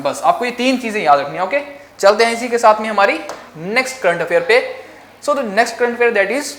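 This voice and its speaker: A woman's voice: mid-range voice, a bit bright, echoey room. A woman with an Indian accent teaching a current affairs exam lesson, mixing English phrases into her explanation and checking in with frequent "ok?" questions. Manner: repeats key facts with frequent "ok?" check-ins.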